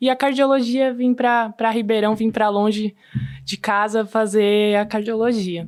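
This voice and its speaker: Someone with a southern Brazilian accent speaks fairly slowly, keeping the intonation fairly even. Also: woman. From Santa Catarina, southern Brazil. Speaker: cardiologist and podcast co-host. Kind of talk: casual chat. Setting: studio.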